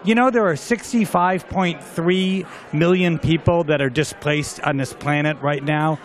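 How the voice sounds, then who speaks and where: A man's voice: a little high, a little slow. A man speaking passionately and persuasively in an interview. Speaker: panelist.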